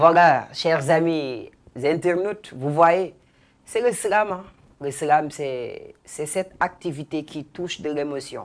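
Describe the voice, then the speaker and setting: This man's pitch sits fairly high. He speaks at a very slow pace. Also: ordinary pitch variation. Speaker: slam poet and show host. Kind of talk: talk show hosting.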